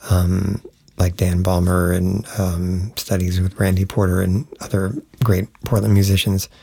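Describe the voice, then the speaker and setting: A male musician talking in an interview, thoughtful and explanatory. His voice is very low, dark and mellow. It also has a gravelly, husky texture. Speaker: guitarist and guest musician. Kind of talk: interview answers.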